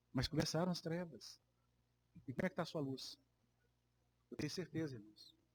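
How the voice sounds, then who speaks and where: Speaking at a moderate pace, a man leaves long, frequent pauses. His fairly high voice varies in pitch in an ordinary way. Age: 60s. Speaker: preacher. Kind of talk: sermon.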